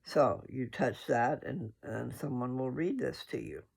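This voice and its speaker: Gravelly, sleepy man rambling about scripture. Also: mid-range voice, measured pace, darkish tone. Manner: folksy, rambling, self-correcting. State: sleepy, yawning. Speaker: host reading and discussing scripture. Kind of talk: casual rambling religious commentary to followers.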